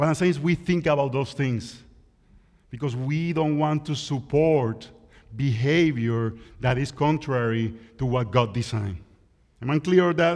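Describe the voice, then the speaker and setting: Pausing long and often, a man with a Puerto Rican accent speaks at a fairly high pitch with ordinary pitch variation. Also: fairly slow pace. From Puerto Rico. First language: Spanish. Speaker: visiting preacher. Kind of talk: sermon. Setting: church.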